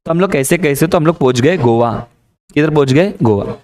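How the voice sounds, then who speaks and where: Male teacher, casual jokey storyteller, slightly high voice. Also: expressive, brisk, darkish tone. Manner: casual, joking, mixes in English. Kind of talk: lively classroom storytelling.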